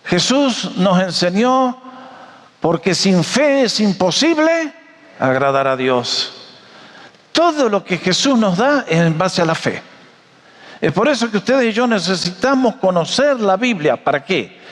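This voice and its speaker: A man preaching a sermon, animated and joking, often asking his audience questions. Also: high-pitched, a little slow, in a large hall. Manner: animated, jokey storyteller, asks the audience questions.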